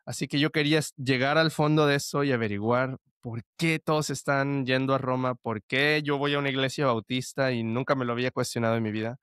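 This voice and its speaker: A man's voice: mid-range voice, fairly even intonation, brisk, hardly any pauses, fairly bright tone, clear, resonant tone, no room sound, clean studio sound. A young man telling his story as a podcast guest, earnest and full of restarts. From El Salvador. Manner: earnest, with frequent restarts and fillers like "este". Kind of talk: conversational testimony.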